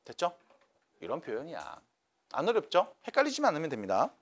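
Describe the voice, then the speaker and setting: A man's voice: fairly high pitch, huge pitch swings, brisk. A man teaching a math class to students, coaxing and checking in with them by name.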